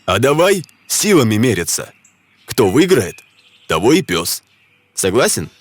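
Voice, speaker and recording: An actor voicing a brave young hunter hero in a cartoon, speaking earnestly and calling out often. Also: male voice, mid-range voice, big pitch swings, unhurried, dry recording. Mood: bold. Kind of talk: cartoon voice acting. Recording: music underneath.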